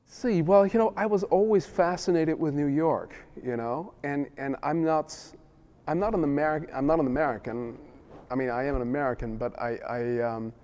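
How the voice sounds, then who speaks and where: A man's voice: on the high side, normal speed, darkish tone. A middle-aged man from the Netherlands whose first language is Dutch, answering interview questions casually and rambling with many restarts and fillers. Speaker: film director.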